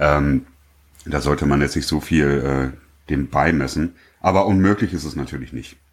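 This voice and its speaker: A man's very deep, low voice with vocal fry, ordinary pitch variation, a moderate pace and long, frequent pauses. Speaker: podcast co-host. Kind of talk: casual chat. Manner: hesitant, many fillers.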